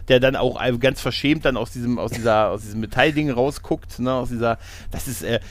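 A man's voice: medium pitch, a little fast, no echo. A man hosting a casual film discussion, retelling scenes in a rambling way with frequent tag questions and laughs. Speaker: podcast host reviewing a film.

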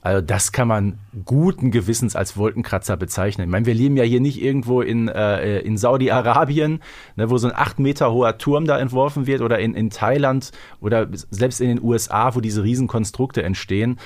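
A man's voice: medium pitch, brisk, darkish tone. A man with a mid-range voice talks as a podcast co-host. His delivery is colloquial and emphatic, in the style of a casual chat between fans.

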